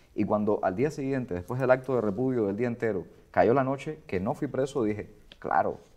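Speaking fairly quickly, this man has a dark, mellow tone. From Cuba, Holguín (eastern Cuba). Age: 30s. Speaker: playwright and actor; actor. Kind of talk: interview testimony. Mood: serious, recounting harassment. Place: studio.

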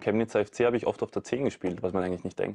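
His intonation stays fairly level throughout. Behind the man, the background is quiet. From Austria. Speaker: former footballer and reality TV personality; guest. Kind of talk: casual chat. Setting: studio. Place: studio. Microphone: lapel.

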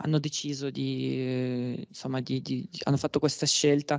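In a Russian accent, the speaker talks over a quiet background. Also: man. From Ukraine, Kharkiv; Ukraine. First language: Russian (speaking Italian). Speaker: art curator. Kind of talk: panel talk. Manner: halting. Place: hall. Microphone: handheld.

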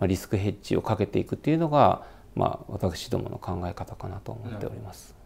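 A man's fairly low voice with vocal fry, very wide pitch swings, big swings in loudness and a fairly quick pace. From Japan, Kanazawa; Japan. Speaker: hotel company CEO. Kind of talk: interview. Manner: formal. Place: office. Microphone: lapel.

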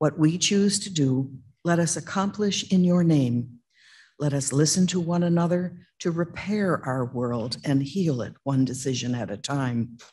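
Very deep and low, a woman's voice is dark, mellow and somewhat breathy, with lively intonation. She speaks at a fairly slow pace against a quiet background. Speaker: speaker. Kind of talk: prayer reading. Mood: solemn, reflective. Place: hall. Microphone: podium.

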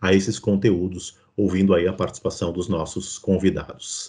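A man speaks against a quiet background. His pitch is fairly low and his voice somewhat breathy. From Brazil (São Paulo). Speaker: voice-over teacher and radio announcer, channel host. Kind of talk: casual talk to camera, host introduction. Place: studio.

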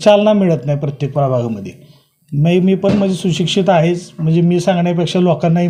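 A man's voice sits at a high pitch yet carries a dark, mellow tone. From Pandharpur, Maharashtra, India. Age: 40s. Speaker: local politician. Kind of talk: interview. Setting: on location in his ward.

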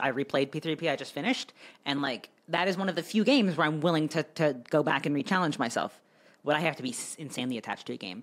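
A woman's very deep, low voice at a very fast pace, animated in tone and lively in intonation, on a very clean recording with a silent background. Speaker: podcast co-host. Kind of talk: casual chat. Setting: home recording.

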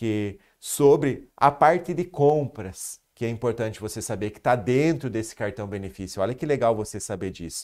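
A man with a medium-pitched voice and ordinary pitch movement speaks over a quiet background. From Brazil. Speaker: personal finance YouTuber. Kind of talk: online video explainer. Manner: urgent, emphatic. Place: studio.

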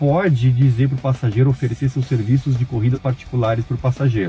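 A man's voice over faint music in the background. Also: dry sound with no echo. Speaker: rideshare driver channel host. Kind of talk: explainer vlog talk. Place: car. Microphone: phone near.

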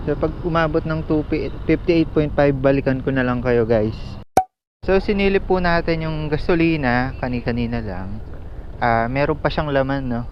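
A man with a plain, everyday voice, fairly high in pitch, at a fairly slow pace with ordinary pitch variation. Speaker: motorcycle vlogger. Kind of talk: vlog tutorial.

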